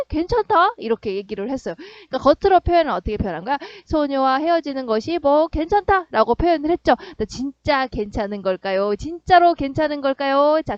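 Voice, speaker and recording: A high-voiced woman talks students through a short story, firing questions at them and acting out the lines. The recording is dry and a little dull, like a home setup. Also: no room sound. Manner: lively, asks questions and answers them, acts out quoted lines. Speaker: middle school Korean literature teacher. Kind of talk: online lesson explaining a story.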